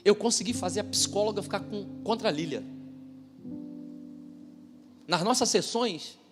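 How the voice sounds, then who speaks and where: A man, a pastor giving a testimony at a church service, telling his story emphatically with loud outbursts and hushed asides. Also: high voice, moderate pace, big-room sound, over music.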